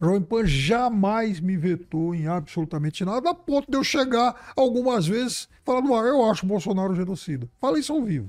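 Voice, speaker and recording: This man's voice is high and has very wide pitch swings. He speaks with hardly any pauses on a very clean recording with a silent background. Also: moderate pace. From Brazil, interior of São Paulo state (Araçatuba). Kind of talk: casual chat.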